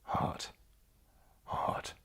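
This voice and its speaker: A young man hosting a casual livestream Q&A, soft-spoken and often slipping into a whisper. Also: drawn-out words. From New Zealand. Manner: soft-spoken, drifting into whispers, frequent restarts. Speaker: ASMR livestream host.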